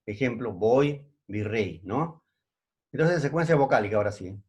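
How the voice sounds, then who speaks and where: In this recorded language lesson, a man from Peru leads a secondary school class, going over each point more than once and frequently checking on his students. He speaks at a moderate pace with a medium pitch, lively intonation, and a darkish tone.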